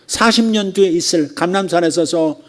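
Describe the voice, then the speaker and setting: A man, a pastor, preaching a sermon in a conversational way, asking rhetorical questions and acting out quoted lines. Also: high voice. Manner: acts out quoted lines with drawn-out repetitions.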